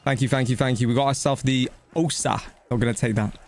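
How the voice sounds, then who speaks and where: A man's voice: mid-range voice, fairly even intonation, quick pace, darkish tone. A man giving casual live gameplay commentary and chatting to viewers, blunt, slangy and matey, with some swearing. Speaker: video game streamer.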